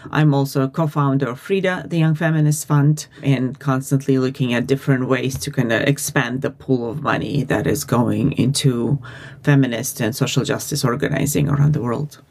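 A woman's voice: very deep voice, normal speed, darkish tone. A woman from Uzbekistan, a feminist consultant, answering interview questions in an earnest, reflective way with some restarts.

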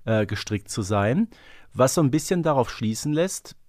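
A man's voice: medium pitch, lively intonation, moderate pace, a little mellow, no room sound. Man chatting in a dry, close recording. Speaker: podcast co-host. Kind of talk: casual conversational analysis.

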